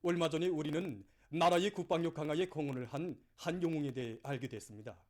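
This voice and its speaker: A man's voice: a little high, quick pace, a little mellow. A man with a North Korean accent narrating formal scripted news in a solemn, fervent, declamatory state-broadcast style. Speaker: news announcer.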